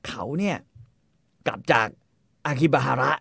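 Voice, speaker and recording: A man's voice: measured pace, fairly bright tone, dry recording, studio quality. A man casually retelling a story in a podcast chat, crude and full of fillers and repeats. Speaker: storyteller host.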